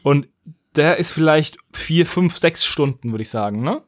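A man co-hosting a podcast in casual review chat, opinionated and quick to argue a point. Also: on the high side, animated, no echo, studio quality. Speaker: podcast host. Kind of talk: casual review chat about audio dramas.

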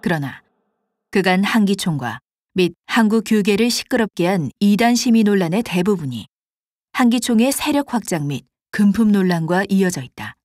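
A woman reading scripted documentary narration in a formal, measured manner. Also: medium pitch, lively intonation, a little mellow, no room sound, studio quality, natural voice.

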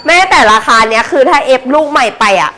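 A Thai woman selling clothes on a live stream in a chatty promotional pitch, with sweet polite address to customers. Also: quick pace, background noise. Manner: sweet polite particles, addresses customers as older sister and mother. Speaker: live-stream seller of secondhand clothing bales.

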